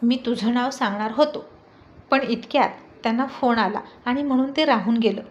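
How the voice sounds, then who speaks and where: A woman voicing a shy young married man who answers in a hushed, teasing way. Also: fairly high pitch, moderate pace, lo-fi sound, lightly acted.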